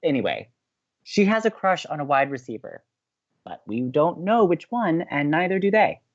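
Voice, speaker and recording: An actor playing a gleeful, teasing young college radio co-host, bantering with dramatic emphasis. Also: male voice, a little high, sing-song, normal speed, dull audio. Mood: amused, teasing. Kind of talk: bantering audio drama dialogue.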